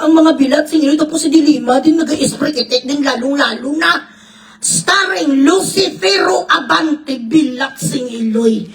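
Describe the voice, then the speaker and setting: High-voiced woman ranting crudely. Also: distant mic, rough recording. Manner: crude, mocking, profanity-laden ranting. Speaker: reaction vlogger. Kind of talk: livestream reaction commentary.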